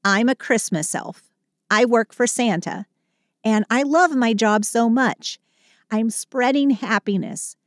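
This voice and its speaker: A woman's voice: on the high side, slow pace, no room sound, clean studio sound. A woman voicing a sweet but sulky Christmas elf who vents to a partner in a dramatic, sardonic yet affectionate scripted audio roleplay. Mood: matter-of-fact, fond.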